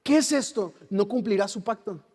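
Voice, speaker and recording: A man's voice: sits high, normal speed, darkish tone, breathy edge. A man with a Mexican accent preaching a sermon, fervent and firing rhetorical questions at the congregation. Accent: Mexican Spanish. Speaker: pastor. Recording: long hall reverb.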